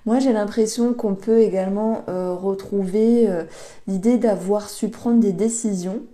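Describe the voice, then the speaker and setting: A woman giving a monthly tarot reading, talking gently with many hesitations and restarts. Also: medium pitch, steady tone, measured pace. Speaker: tarot reader.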